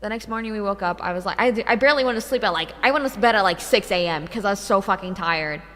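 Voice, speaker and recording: A young woman streamer telling a true ghost story in casual, animated speech, swearing often and filling with "like". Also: medium pitch, fast talker. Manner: animated, swears a lot, many filler likes. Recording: long reverb, faint music behind.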